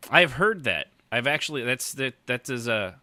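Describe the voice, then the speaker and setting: A man's voice: mid-range voice, very animated, normal speed, very noisy. A man hosting a live podcast in a casual, rambling, joking and teasing way. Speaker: podcast host.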